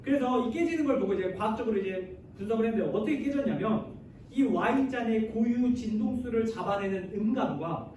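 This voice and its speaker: A man with a very high voice preaches to teenagers and keeps turning to his listeners with questions. His voice rings through a large, booming church hall and sounds far from the microphone. A faint hiss sits behind him. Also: brisk, a little mellow. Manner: addresses the listeners often and asks them questions; leads the congregation in reading scripture aloud. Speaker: youth pastor. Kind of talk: sermon to high school students. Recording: very echoey hall, voice heard from afar, faint noise.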